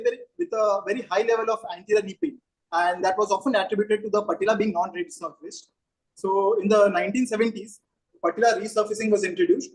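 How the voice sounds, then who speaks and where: A young man with an Indian accent gives a formal academic presentation. His voice is high for a man and rough-edged, with a husky grain. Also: rough recording. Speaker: orthopaedic fellow presenting. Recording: online meeting audio from a tablet.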